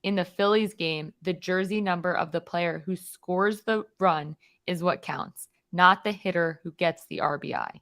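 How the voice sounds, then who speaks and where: A woman's voice: lowish voice, normal speed, hardly any pauses, a bit bright. A woman on a casual sports podcast, reading out game prompts and calling the bids. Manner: reads game prompts aloud, auctioneer calls.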